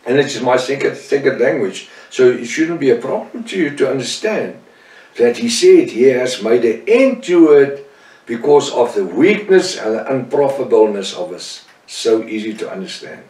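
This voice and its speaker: A man's voice: mid-range voice, animated, normal speed, a little mellow. A man with a South African Afrikaans accent teaching the Bible, emphatic, often repeating and correcting himself. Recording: roomy sound from a distant mic.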